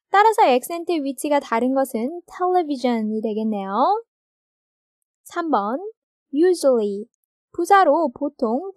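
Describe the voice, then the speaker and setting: A woman with a Korean accent teaching English grammar in a recorded video lecture, reading example sentences carefully and ending her explanations with gentle rising questions. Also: high voice, dry recording, clean studio sound.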